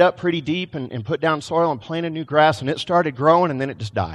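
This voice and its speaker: In an ordinary speaking voice, a man with a fairly high pitch talks at a fairly quick pace with ordinary pitch variation. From Texas. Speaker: pastor. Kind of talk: sermon. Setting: church.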